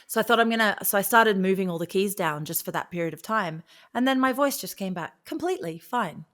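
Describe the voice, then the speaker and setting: A woman speaking as an interview guest, telling personal stories in a casual, conversational and animated way. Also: mid-range voice, brisk. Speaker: guest, singer and vocal coach.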